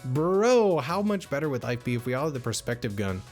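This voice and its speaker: A relaxed man in casual chat with his viewers, his voice sitting at an ordinary middle pitch. He talks loosely and keeps circling back with fillers and restarts, peppering everything with bro and homie. Soft music plays quietly behind him. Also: a little fast. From United States. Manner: slangy and laid-back, often saying bro and homie; rambling, with many fillers and restarts. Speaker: livestreamer.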